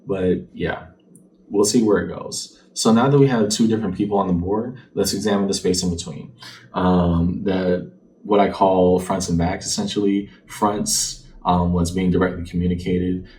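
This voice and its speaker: A man's voice: low-pitched, fairly even intonation, normal speed, a little mellow. A man speaking casually and conversationally to the viewer as a fortune-telling tarot card reader. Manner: conversational, checks in with "right?". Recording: distant mic, faint background noise.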